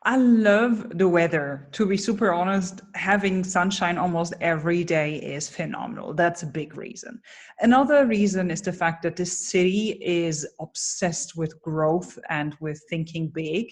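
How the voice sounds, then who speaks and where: A woman's voice: fairly low pitch, a little slow. A woman, a business coach giving candid, emphatic interview answers. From Germany. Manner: energetic, candid, emphatic storytelling. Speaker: guest, personal branding coach.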